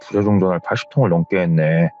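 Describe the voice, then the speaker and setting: A man's voice: low-pitched, fast, dull audio, soft background music, pitched below the performer's own voice, close to an everyday voice. A man voicing a bewildered, timid young employee who answers hesitantly. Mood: puzzled. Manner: hesitant, flustered replies.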